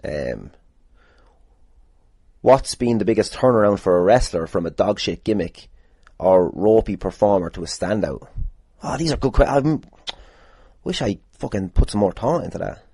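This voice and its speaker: Deep, husky man, chatting casually. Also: animated, normal speed, long pauses, dark tone, no echo, clean studio sound. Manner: rambling, sweary, jokingly boastful. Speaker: podcast host and wrestler. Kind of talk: casual solo podcast chat answering listener questions.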